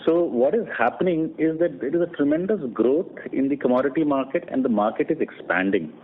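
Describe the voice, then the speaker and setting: A male company executive answering questions on an earnings call, speaking off the cuff and rephrasing haltingly as he explains. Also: on the high side, lively intonation. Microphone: conference phone call. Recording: narrow phone line with clear noise.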